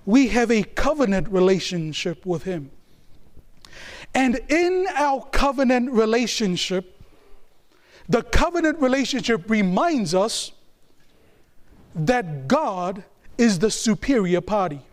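A man's voice: high voice, sing-song, slow, pauses often. A man from New Zealand preaching a sermon in an emphatic style, repeating key phrases and calling for answers from the congregation. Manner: call-and-response, asking the congregation to answer.

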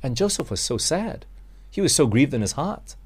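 A man's voice: mid-range voice, sing-song, normal speed, a little mellow, breathy edge. A Malaysian man preaching a sermon, earnest and direct, calling his listeners friends and asking them rhetorical questions.

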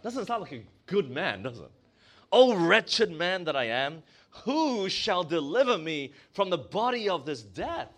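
A man's voice: on the high side, fairly bright tone. A male preacher with a Malaysian accent, delivering a sermon and asking his congregation questions as he stresses key words.

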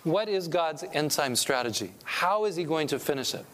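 A man's voice: on the high side, expressive, moderate pace, a bit bright. A middle-aged man from California giving an earnest, preacherly talk to a church audience as a pastor and missionary speaker. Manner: earnest, preacherly, rising with emphasis on key points.

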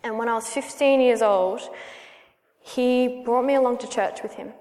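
A woman's voice: a little high, moderate pace, a little mellow. Earnest Australian woman in a reverberant hall. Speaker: guest speaker giving a testimony. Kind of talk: prayer and personal testimony.

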